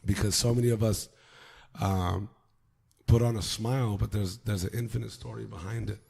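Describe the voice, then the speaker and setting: A man's voice: lowish voice, fairly even intonation, normal speed, gravelly, a little mellow, husky. A man hosting a casual podcast interview, earnest and swearing freely, with hype-man energy. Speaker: podcast host.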